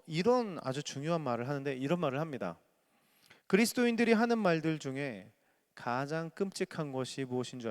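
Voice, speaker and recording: A male pastor preaching a dawn service sermon, retelling scripture in an animated way. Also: on the high side. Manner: animated, acts out scripture quotes. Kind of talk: early-morning sermon. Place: church sanctuary.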